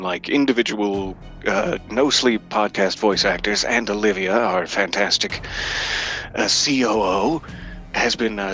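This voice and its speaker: A man's voice: lowish voice, pushed and bright. A man being interviewed as a podcast guest, talking casually in a polite, playful, tongue-in-cheek way.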